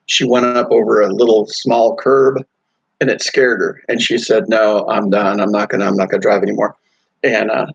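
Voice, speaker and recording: A middle-aged man chats on a casual live stream, his low voice gravelly and husky. He rambles, stopping and restarting his thoughts. The sound is dull and lo-fi, with a dry, close feel. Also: no room sound. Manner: rambling, halting, with many fillers and restarts. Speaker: motorcycle vlogger live streaming. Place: hotel or rest stop while traveling.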